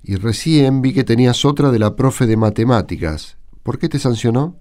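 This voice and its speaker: A man's voice: medium pitch, lively intonation, normal speed, warm tone, close to an everyday voice. A man with an Argentine accent acting an indignant, argumentative catechism teacher in a radio drama. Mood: questioning, patient. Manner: argumentative, emphatic. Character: indignant male catechism teacher defending a bullied pupil.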